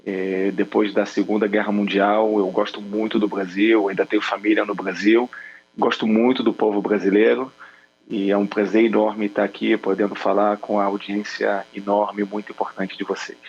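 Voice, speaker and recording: A military spokesman in his forties with a Rio de Janeiro Brazilian Portuguese accent answers earnestly in a remote interview over a video call, often hesitating with fillers. His voice is lowish and flat, at normal speed, with the highs cut off.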